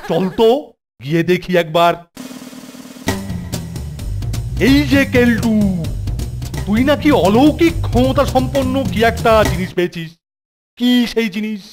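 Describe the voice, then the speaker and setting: An actor voicing a gullible, pompous middle-aged male hostel superintendent in a children's cartoon, exaggerated, with loud music behind. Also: mid-range voice, animated, normal speed, lightly acted. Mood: pompous curiosity. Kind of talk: Bengali children's cartoon dubbing.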